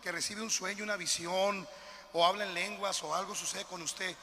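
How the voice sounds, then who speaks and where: A male pastor with a northern Mexican accent delivers a fervent sermon, dropping to near-whispers and then building to shouted calls. His voice sits high and rings with a very bright, cutting edge. The sound carries a long church-hall reverb over a faint hiss. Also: fairly even intonation, moderate pace. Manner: impassioned preacher, swings from quiet asides to shouted exhortation.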